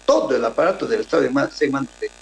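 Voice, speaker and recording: Peruvian man, measured, echoey remote line. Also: mid-range voice, expressive, creaky. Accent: Peruvian Spanish. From southern Peru. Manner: measured, hesitant, many filler pauses and restarts. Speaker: guest. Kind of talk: radio interview, political analysis. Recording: roomy echo.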